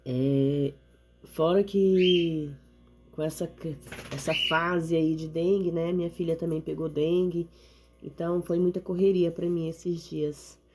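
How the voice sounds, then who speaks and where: A hoarse woman, giving an earnest devotional talk and reading the Bible aloud. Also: low-pitched, steady tone, takes it slowly, noisy background. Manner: earnest, repetitive exhortation with tag questions. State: hoarse from a cold. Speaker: lay preacher.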